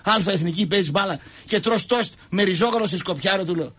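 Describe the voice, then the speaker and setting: A man's voice: sits high, a bit bright, breathy edge. A man hosting a radio show, telling comic stories and acting out the quotes in shifting voices. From Greece. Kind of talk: comic storytelling chat.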